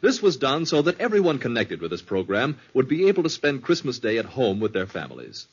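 A man's voice: medium pitch, huge pitch swings, fairly quick, breathy edge. A man announcing and narrating in a formal, dramatic 1940s radio style. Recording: muffled old radio recording.

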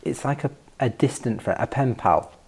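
A man in reflective personal conversation as an interview guest, thoughtful and halting, often repeating words. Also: medium pitch, lively intonation, gravelly, a little mellow, slight background noise.

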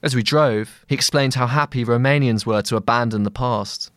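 A man narrating a scripted long-read essay as a journalist, in measured, deliberate phrasing. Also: medium pitch, fairly bright tone, dry recording, studio quality.

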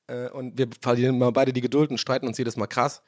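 A young man, slightly hoarse, hosting his own podcast from a room at home and ranting in a casual, swearing way. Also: mid-range voice, little pitch movement, fast, a little mellow. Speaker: podcast host. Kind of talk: casual solo podcast monologue. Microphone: own studio mic.

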